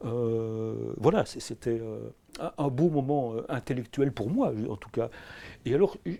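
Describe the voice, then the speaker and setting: Belgian prof guy, mellow low-key voice, lots of euhs and restarts, talking to an interviewer. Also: moderate pace, gravelly. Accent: Belgian French. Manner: hesitant, many fillers and restarts. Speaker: anthropology professor. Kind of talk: filmed interview. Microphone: camera crew sound.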